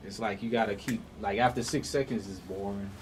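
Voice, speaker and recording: A man's voice: fairly low pitch, fairly quick, slight background noise. A man co-hosting a radio show, chatting casually and agreeing often with short replies. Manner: easygoing, frequent short agreement. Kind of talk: casual interview chat.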